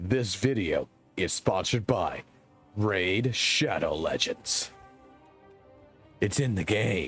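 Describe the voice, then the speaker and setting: Doing a put-on character voice, a man speaks fairly low at a very slow pace with long, frequent pauses and ordinary pitch variation, faint music in the background. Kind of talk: announcer, advertising read.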